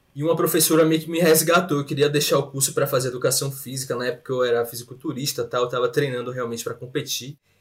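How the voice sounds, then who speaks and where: Talking at a very fast pace with hardly any pauses, a man has a fairly high, somewhat breathy voice. His intonation stays fairly even. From Bahia, Brazil (Feira de Santana). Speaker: biomedical scientist, PhD student. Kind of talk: casual interview.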